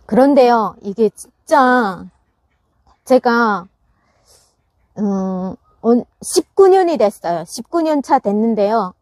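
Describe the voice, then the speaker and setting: A woman's voice: on the high side, animated, slow pace, a little mellow, dry recording. A woman chatting casually to her viewers about gardening, laughing often and restarting her sentences as she talks. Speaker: gardening channel host. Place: farm greenhouse.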